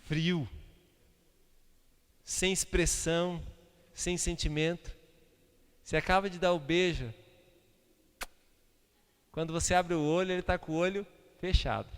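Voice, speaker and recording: Man, pastor preaching a sermon, high voice, swings from shouts to hushes, long church reverb. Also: fairly even intonation, measured pace, long pauses, clean tone. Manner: impassioned, swinging between loud outbursts and hushed asides. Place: church sanctuary.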